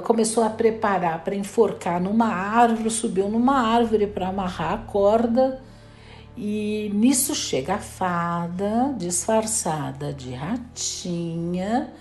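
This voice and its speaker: A woman's voice: medium pitch, takes it slowly, soft background music. A woman telling a fairy tale in a casual spoken way, changing her voice for the characters. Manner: lively, voices characters in quotes. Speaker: storyteller.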